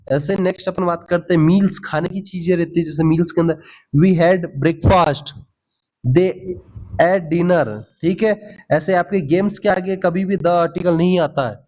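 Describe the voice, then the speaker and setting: A man with a fairly high voice gives a grammar lesson for exam prep, teaching English grammar in Hindi with English examples. He's lively yet unhurried, often asks "ठीक है?" and calls his students "भाई". The audio is slightly dull and lo-fi.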